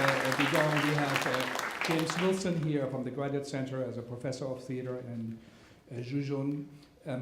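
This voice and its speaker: A man at a theater event stumbles through his welcome speech, pausing often with fillers and restarting phrases. His mid-range voice rings through a roomy hall. A faint hum of noise sits under it. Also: mid-range voice, fairly bright tone. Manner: halting, with many fillers and restarts. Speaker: event organizer giving welcome remarks. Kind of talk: live welcome speech to an audience. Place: theater auditorium at a live event.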